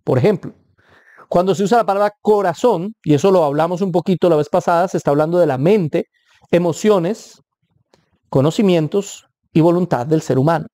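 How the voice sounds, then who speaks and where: Mellow-voiced man teaching scripture, emphatic. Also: a little high, fairly quick, no echo, studio quality. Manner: emphatic, stresses points by repeating words; checks in with listeners with a questioning aside. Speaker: preacher teaching Bible interpretation. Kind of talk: Bible teaching talk.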